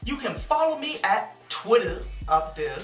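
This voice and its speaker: A man's voice: sits high, big pitch swings, measured pace, a bit bright. An American man hosting a video review show with casual, opinionated commentary and slangy, sweary talk. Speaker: host of a YouTube review show. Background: music behind the voice.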